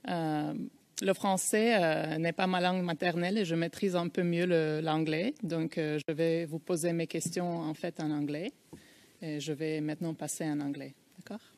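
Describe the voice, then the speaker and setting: Une avocate du parquet qui interroge un témoin au tribunal, polie et hésitante, avec beaucoup de « euh ». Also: female voice, low voice, fairly even intonation, a little mellow, no echo. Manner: polite, halting with many fillers. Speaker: prosecution lawyer. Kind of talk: courtroom questioning.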